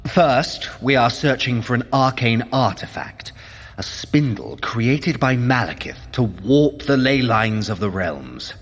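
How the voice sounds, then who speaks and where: A man's voice: medium pitch, lively intonation, slow pace, long reverb tail. An actor playing a haughty, sly male trickster god in an audio drama, wry and theatrically imperious. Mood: wry, exasperated.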